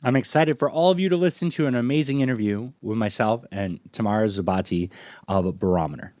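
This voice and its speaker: A man's voice: fairly low pitch, fairly quick, a little mellow, no echo. A man hosting a podcast in a conversational, enthusiastic way. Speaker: podcast host and interviewer.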